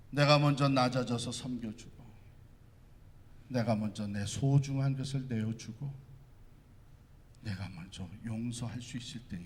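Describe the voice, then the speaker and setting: Male pastor, sermon, impassioned and repetitive, mid pitch, echoey hall. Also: a little hiss or hum.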